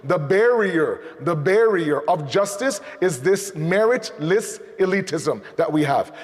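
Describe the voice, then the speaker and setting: A man giving a sermon in English, animated, asking rhetorical questions and slipping Urdu and Arabic phrases into his talk. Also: high voice. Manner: animated, acts out imagined dialogues, rhetorical questions. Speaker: speaker at a Muharram night program. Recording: long hall reverb.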